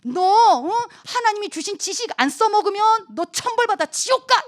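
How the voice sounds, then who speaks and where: A woman voicing pushy young male friends who urge and threaten loudly. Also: a little high, sing-song, fairly quick. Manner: shouting, bossy urging.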